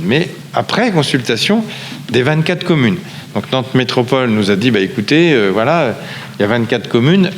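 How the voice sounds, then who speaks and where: Man chairing council meeting in echoey hall. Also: medium pitch. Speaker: local official chairing a town council meeting. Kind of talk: formal council presentation, semi-improvised. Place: large echoing meeting room. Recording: reverberant hall, background noise.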